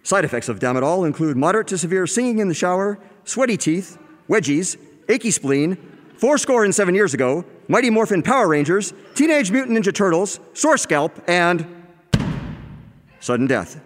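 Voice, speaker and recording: Drug-ad announcer, a man plays him, slick, high and lively, reverby. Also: normal speed. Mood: salesy. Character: smooth adult male drug-ad announcer.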